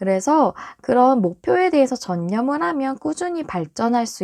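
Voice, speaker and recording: Her voice moves through very wide pitch swings as this woman speaks. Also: dry, close sound with no echo. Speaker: tarot reader. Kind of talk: tarot reading video. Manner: hesitant, stumbles over words.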